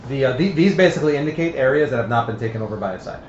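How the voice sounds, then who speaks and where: A man casually explains rules while playing a tabletop game, thinking aloud in a halting way. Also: mid-range voice, lively intonation. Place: room, live stream of a group game. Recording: roomy, dull, lo-fi with faint noise.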